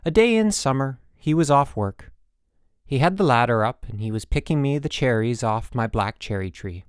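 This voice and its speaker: A man's voice: mid-range voice, lively intonation, normal speed, clear, resonant tone, no echo, lightly acted. A proud old country woman in a storybook, acted out by a male narrator, chatty and stubborn. She rambles in folksy, emphatic sentences, in a very dry recording. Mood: chatty, reminiscing. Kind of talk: audiobook character dialogue.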